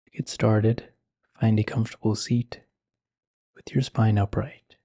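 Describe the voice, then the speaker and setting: A man speaking slowly and gently with long pauses, guiding a meditation in a soft, breathy voice. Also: fairly low pitch, little pitch movement, no room sound. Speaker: meditation guide. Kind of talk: guided meditation.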